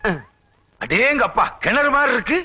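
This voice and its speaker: A man's voice: extremely high pitch, very animated, moderate pace, heavy background noise. A man playing a comic fake swami in an older film, teasing villagers with mock-solemn curses given as blessings. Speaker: self-styled holy man. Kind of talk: 1980s film comedy acting.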